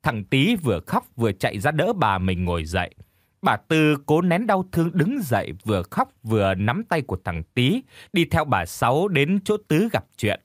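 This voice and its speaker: Expressive male audio-story narrator. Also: medium pitch, normal speed, no echo, clean studio sound. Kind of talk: scripted dramatic narration.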